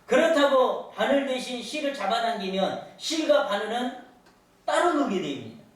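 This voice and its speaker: A man's voice: very high voice, very animated, normal speed. A male pastor preaching a sermon to his congregation, telling stories and asking them questions. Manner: storytelling with rhetorical questions to the congregation. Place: large church sanctuary. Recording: echoey church hall, voice from far off.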